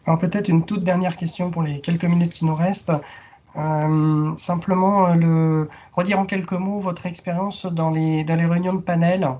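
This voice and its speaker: A man hosting a webinar, his voice a touch higher than most. He asks questions and rallies listeners in an upbeat, encouraging way, using frequent fillers. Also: level tone, moderate pace, mellow, dull audio. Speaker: webinar moderator. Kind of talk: moderating a webinar.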